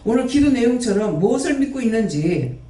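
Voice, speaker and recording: This man runs a prayer house and scolds his listeners during a sermon with rhetorical question upon rhetorical question. His very high, warm voice is very animated and brisk, captured with roomy echo by a distant microphone.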